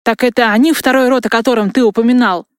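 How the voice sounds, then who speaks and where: A woman's voice: fairly high pitch, steady tone, fast talker, no echo, lightly acted. A woman voicing a proud, hot-tempered young male crown prince, given to roaring outbursts, in a dry close recording. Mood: wary. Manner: bewildered turning to roaring anger.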